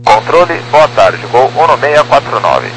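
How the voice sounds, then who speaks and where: A man's voice: medium pitch, very animated, measured pace, fairly bright tone. A man speaking as an airline pilot over an aviation radio, giving terse, clipped readbacks in standard radio phraseology. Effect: pilot heard over an aviation radio. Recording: noisy radio link with hum.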